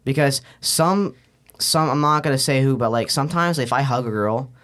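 A man's voice: medium pitch, moderate pace, fairly bright tone. A young man chatting casually on a podcast like a frat bro, slangy and full of swearing. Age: young adult. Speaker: podcast host.

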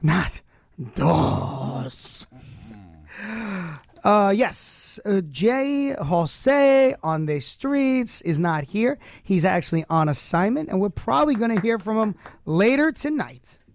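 A male radio host, hoarse from losing his voice, hyping up his show with joking, showy banter in a studio. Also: high-pitched, sing-song, dry recording. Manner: showy, joking, rapid riffing introductions. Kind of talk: playful, hyped radio banter. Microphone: studio microphone.

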